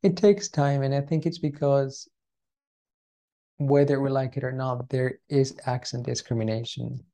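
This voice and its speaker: Guy guest on a podcast, dark gravelly voice, keeps saying right?. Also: mid-range voice, fairly even intonation, unhurried. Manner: explains earnestly, ends points with tag question "right?". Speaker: guest, founder of a pronunciation coaching business. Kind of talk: casual interview chat.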